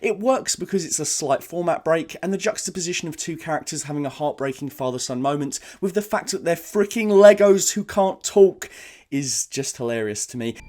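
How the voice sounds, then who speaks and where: A man narrates a scripted video essay with a fairly high voice that moves around a lot. He is casual and enthusiastic, leaning hard on key words. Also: animated, a little fast, darkish tone.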